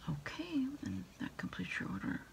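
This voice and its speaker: A middle-aged woman in a quiet ASMR roleplay as an order taker, murmuring in a halting, breathy whisper. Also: mid-range voice, very animated. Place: small indoor room at a desk.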